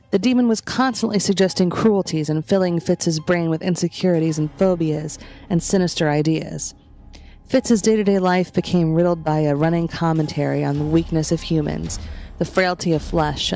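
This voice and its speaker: A woman narrating a scripted first-person horror story in a measured, literary storytelling manner. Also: fairly low pitch, mellow. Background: background music.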